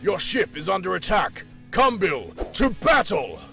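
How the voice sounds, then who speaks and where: Norse god hero: grand, declamatory, rough gravel edge, music underneath. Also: male voice, sits high, big pitch swings, a little slow, voice pushed up, exaggerated voice. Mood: rousing. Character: booming heroic Norse warrior god, bold and grand. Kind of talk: superhero animation acting.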